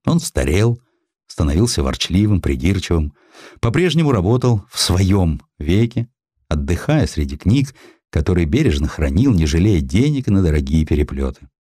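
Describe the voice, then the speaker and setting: A man narrating historical sketches for an audiobook in an expressive, theatrical and deliberately phrased style. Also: sits low, no room sound, studio quality.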